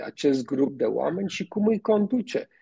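Lively intonation and vocal fry mark this man's dark, mellow voice. He speaks at a fairly slow pace, and the sound is dry and close, with no echo. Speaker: panel guest. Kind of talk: panel discussion.

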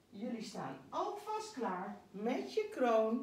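With light background noise and audible room echo, a woman speaks with very wide pitch swings. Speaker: dance teacher for children. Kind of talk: instructional talk to children. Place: home room. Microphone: camera far.

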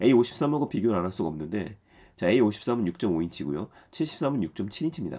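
A man speaks at a moderate pace with a fairly low pitch and very wide pitch swings. His tone is dark and mellow, and the background is quiet. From South Korea. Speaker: tech news host. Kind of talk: solo tech news briefing. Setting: screen-share video. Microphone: earbuds.

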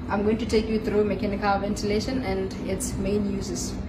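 A woman at a very fast pace amid loud background noise. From Botswana. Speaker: clinical technologist. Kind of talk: tutorial. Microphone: camera far.

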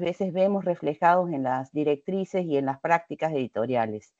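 Against a quiet background, a woman talks at a moderate pace with lively intonation. The sound is dry, with no echo. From Argentina. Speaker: guest speaker on scholarly publishing; presenter. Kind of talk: presentation. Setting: video call. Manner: hesitant, many fillers. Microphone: video call.

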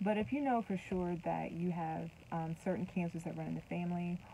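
A woman speaks at a moderate pace in a dark, mellow tone with fairly low pitch and fairly even intonation. The sound is dry with no echo, over light background noise. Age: 30s. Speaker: natural hair content creator. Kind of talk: casual vlog talk to camera. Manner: casual with frequent fillers. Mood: earnest, encouraging reminder. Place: car. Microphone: phone near.

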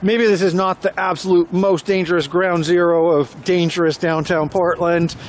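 At a moderate pace, the speech sounds dry with no echo, over light background noise. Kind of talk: casual vlog chat. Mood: relaxed, reflective. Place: street. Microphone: phone near.

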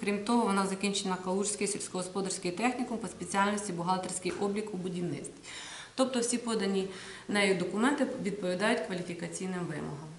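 A woman talks at a fairly quick pace with fairly even intonation, with audible room echo and light background noise. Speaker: council staff presenting candidate documents. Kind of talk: formal committee meeting report. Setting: committee meeting room. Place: meeting room.

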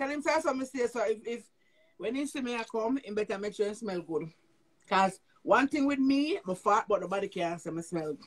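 A high-pitched man's voice with a Jamaican accent and lively intonation, over a quiet background. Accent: Jamaican Patois-inflected English. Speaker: guest caller on live show. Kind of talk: casual chat. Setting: video call. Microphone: phone near.

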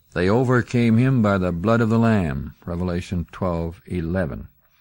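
A man speaks at a fairly slow pace in an unremarkable speaking voice, fairly low-pitched, with lively intonation and a dry sound with no echo. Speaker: radio preacher. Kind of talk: radio Bible question-and-answer talk. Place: studio. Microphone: old recording.

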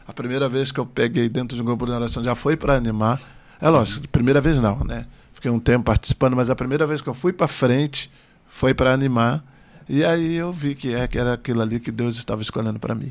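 A man speaks with a Carioca accent at medium pitch. His pace is fairly quick and his intonation fairly even. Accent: Carioca accent, clearly noticeable. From Rio de Janeiro, Brazil. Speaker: podcast guest. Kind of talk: testimony. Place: studio. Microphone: studio mic.

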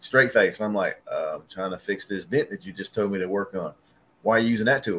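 The speaker has a Southern US accent. The pace is fairly quick. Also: man. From US South. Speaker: paintless dent repair technician. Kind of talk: casual chat. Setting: video call. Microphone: webcam.

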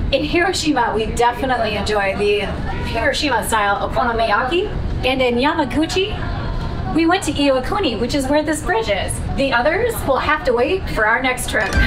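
The speaking moves at a fairly quick pace. Music is clearly audible behind it. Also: woman, high pitch for a woman. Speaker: travel vlogger. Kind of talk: casual vlog chat. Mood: cheerful, enthusiastic. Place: train.

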